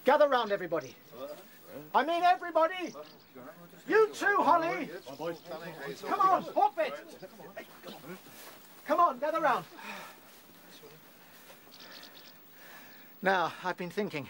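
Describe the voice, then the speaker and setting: An actor with a British accent playing an earnest, thoughtful young rabbit leader in a radio play. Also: male voice, very high-pitched, sing-song, normal speed, long pauses, sharp tone, full character voice. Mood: urgent, grave. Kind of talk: radio drama acting.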